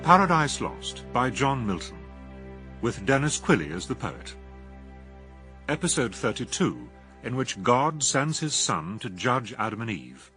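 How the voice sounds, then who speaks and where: A man's voice: mid-range voice, very animated, unhurried, pushed and bright. A man reading a scripted programme announcement as a radio announcer. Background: music.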